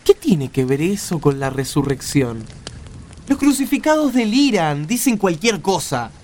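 A man's voice: a little high, sing-song, measured pace, darkish tone, a little hiss or hum. A man playing a skeptical, wry caravan leader in a radio play. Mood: incredulous. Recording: music under the voice.

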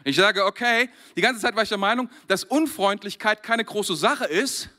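A man from Germany preaching a sermon to a congregation, animated and chuckling often between phrases. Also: high-pitched, normal speed.

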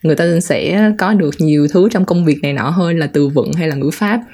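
Woman co-host, lower husky voice, opinionated. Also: brisk, mellow. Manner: opinionated, mixes English words into Vietnamese. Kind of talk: casual chat.

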